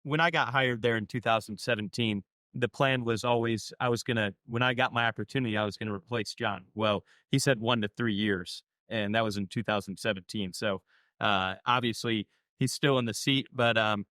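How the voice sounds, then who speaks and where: A man's voice: fairly low pitch, fairly even intonation, normal speed, sharp tone, no room sound, clean studio sound. A young adult man, a drag racing driver, talking candidly and easygoingly in an interview. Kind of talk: casual interview answers.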